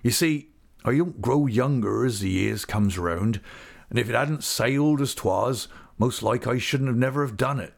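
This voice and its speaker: A man's voice: mid-range voice, creaky. Man voicing a hearty old rustic seafarer. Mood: warm, earnest. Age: older. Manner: rustic dialect speech, slow and affectionate. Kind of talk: audiobook character voice.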